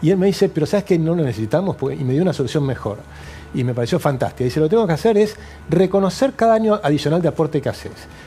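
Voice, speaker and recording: Speaking at a very fast pace, a man has a fairly high voice. His tone is dark and mellow. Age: 60s. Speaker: economist. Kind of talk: panel discussion.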